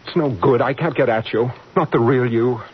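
A man's voice: mid-range voice, normal speed, slight background noise, close to an everyday voice. An actor playing a flustered, besotted married man in an old radio drama, stammering and hesitant. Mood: earnest, smitten. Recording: muffled vintage radio recording.

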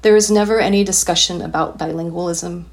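Woman, Cantonese first language, low voice, measured reflective essay reading. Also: steady tone. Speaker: journalist reading her own essay. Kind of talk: reading a personal essay aloud.

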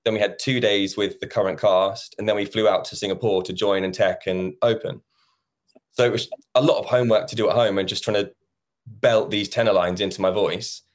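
A man's voice: fairly low pitch, fairly even intonation, a little fast. A man in his thirties, a musical theatre actor chatting as an interview guest and acting out past conversations. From England. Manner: chatty, acts out quoted conversations. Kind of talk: casual interview chat.

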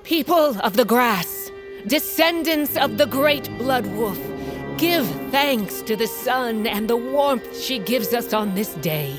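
A commanding tribal queen, played by a woman, stern and rallying in a fantasy audio drama. Her voice sits slightly high, with clear music playing underneath. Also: animated, slow. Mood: rousing. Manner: authoritative, rallying speeches. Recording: music bed behind voice.

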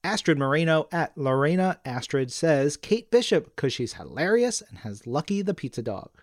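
A man's voice: fairly high pitch, very animated, normal speed, dry recording, clean studio sound. A man co-hosting a podcast, reading listener messages and chatting in an enthusiastic, conversational way. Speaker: podcast co-host. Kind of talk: casual chat and reading listener mail.

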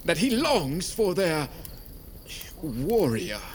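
A man's voice: on the high side, sing-song, very slow, a little hiss or hum, exaggerated voice. A man playing a watchful tribal messenger in a fantasy audio drama. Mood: ominous. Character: watchful tribal messenger bearing rumors of war.

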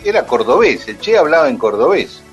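A man's voice: mid-range voice, big pitch swings, a little fast, lo-fi sound, faint music behind. Chatty Argentine man telling a story on radio. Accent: Argentine Spanish. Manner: chatty, full of fillers like "este" and "eh". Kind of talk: casual radio chat, storytelling.

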